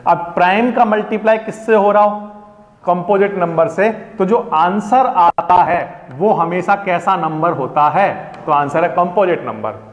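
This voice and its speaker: A man's voice: high voice, a little slow. A man teaching a classroom maths lesson in Hindi mixed with English words, asking his pupils questions and then answering them himself. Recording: dull echoey classroom recording.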